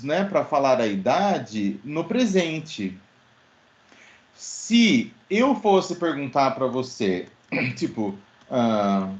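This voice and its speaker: Lively male English teacher, lo-fi. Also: a little high. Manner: lively, questioning, addresses students by name. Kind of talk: online class explanation. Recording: dull lo-fi audio.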